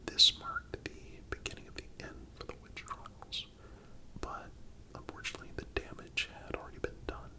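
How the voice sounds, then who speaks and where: A man giving a calm, measured ASMR narration in a deliberate manner. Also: low-quality recording. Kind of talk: whispered ASMR history narration.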